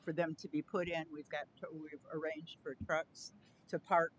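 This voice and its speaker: A woman activist addressing a county board at a podium, earnest and chatty, speaking loudly. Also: sits low, little pitch movement, normal speed, slight background noise, rough recording. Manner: earnest, chatty, self-aware of loud voice. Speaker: activist presenting a request. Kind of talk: public comment at a county meeting. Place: county board meeting chamber.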